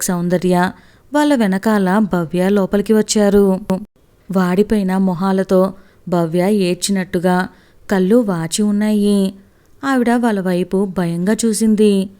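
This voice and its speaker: A woman's voice: mellow, clean tone. A woman reading a family story aloud, lifting her voice for anxious questions in the dialogue. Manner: lifts pitch sharply for anxious questions in dialogue.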